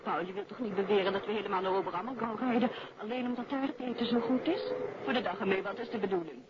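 An actress playing a composed, affectionate, questioning detective's wife in a 1950s Dutch radio play. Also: female voice, mid-range voice, quick pace, heavy background noise, natural voice. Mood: curious, fond. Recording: dull old radio recording, music behind.

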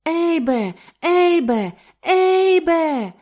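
A woman's voice: very high-pitched, animated, extremely slow, darkish tone, pitched above the performer's own voice, heavily acted. A woman voicing a frightened, tearful young woman who shrieks and cries out in panic. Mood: panicked.

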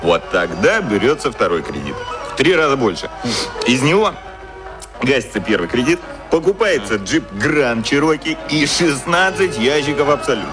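An actor playing a brash, cynical advertising man in a radio play, explaining things in slangy, colloquial bursts with halting pauses. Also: mid-range voice, big pitch swings, lightly acted. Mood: wry, explanatory. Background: music.

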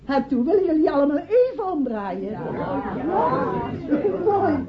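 Casting: gushing female party hostess, high and very animated, radio drama, muffled. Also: measured pace. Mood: effusive. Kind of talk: radio play acting. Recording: muffled radio recording with crowd murmur.

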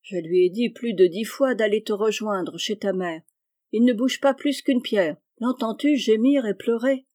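A weary country aunt who grumbles and scolds about a stubborn nephew, as a woman reads her lines in an audiobook. The voice is mid-pitched and warm, with a mellow, relaxed tone. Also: a little slow, natural voice. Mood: exasperated. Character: scolding exasperated peasant aunt. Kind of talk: audiobook reading.

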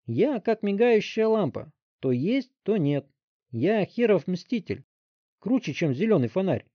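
A man's voice: medium pitch, animated, fairly quick, dry recording, close to an everyday voice. A man voicing a sarcastic, brash thirteen-year-old boy in an audiobook story, on a dry, slightly dull recording. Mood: boastful. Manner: sarcastic, brash, yelling taunts. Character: cocky 13-year-old boy with a smart mouth.

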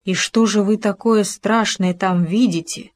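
A woman's voice: medium pitch, unhurried, natural voice. A woman voicing a small, curious and bold male hamster who speaks eagerly in a storybook reading. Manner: lively and eager.

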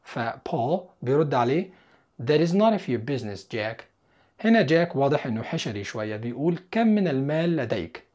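Egyptian man teaching English. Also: medium pitch. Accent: Egyptian Arabic. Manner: lively, asks the listener questions and answers them himself; repeats English example sentences slowly. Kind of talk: explanatory lesson.

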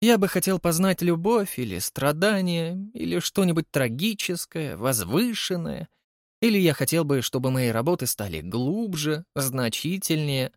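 A man's voice: fairly high pitch, animated, normal speed, dry recording, studio quality, voice pushed up. A man voicing a vain, eccentric male artist who talks dramatically and indignantly, in an audiobook reading. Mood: impassioned. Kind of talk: audiobook character voice.

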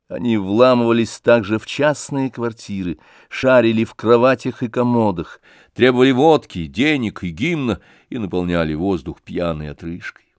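A man narrating an audiobook in a measured, dramatic reading. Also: mid-range voice, no room sound, clean studio sound. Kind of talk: scripted narration.

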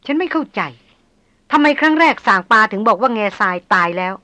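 A woman's voice: fairly high pitch, animated, fairly quick, pushed and bright. A woman voicing an anxious, hot-tempered young noblewoman who presses with indignant questions. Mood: questioning.

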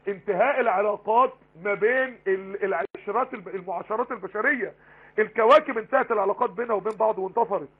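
A man with an Egyptian Arabic accent giving a live online Quran lesson, talking rapidly and emphatically with many rhetorical questions. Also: high-pitched, breathy edge. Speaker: Quran teacher. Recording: tinny phone-line broadcast.

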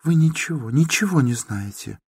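A man voicing a timid, meek young woman who pleads softly and grows breathless in distress. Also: mid-range voice, slow pace, husky, dry recording, clean studio sound, voice pushed up.

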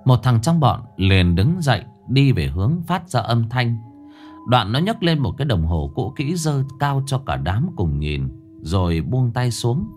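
A man tells a horror story with an animated, rising and falling pitch. He reads dramatically and slows down for the suspenseful stretches. Faint music with a singing bowl plays behind him. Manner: lively, dramatic reading with slowed suspense.

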